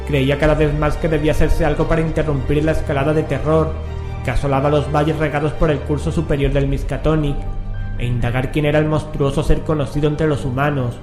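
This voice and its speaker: A man with an accent from Spain, presenting and narrating a horror radio show in a theatrical, ominous way. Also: on the high side. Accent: Spanish (Spain).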